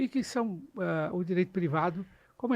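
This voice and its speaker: A man at a moderate pace with ordinary pitch variation, a normal speaking voice, over a quiet background. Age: 60s. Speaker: lawyer. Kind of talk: interview. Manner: formal.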